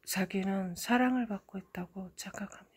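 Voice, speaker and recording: A middle-aged woman hosting her own channel, telling a story in a casual monologue and swinging dramatically from hushed murmurs to loud outbursts. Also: medium pitch, a little fast, breathy edge. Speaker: channel host interpreting a dream.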